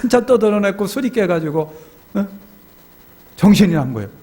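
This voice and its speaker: A man preaching a sermon in a church, telling anecdotes and acting out his congregants' distressed pleas in high crying voices. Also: big pitch swings, a little fast, dark tone, low-quality recording. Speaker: pastor. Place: church sanctuary.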